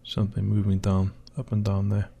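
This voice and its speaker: A man with a croaky voice, talking slowly and hesitantly as he steps through video footage, pausing often with fillers. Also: on the low side, monotone, mellow. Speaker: video host analysing footage. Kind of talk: slow screen-recorded commentary.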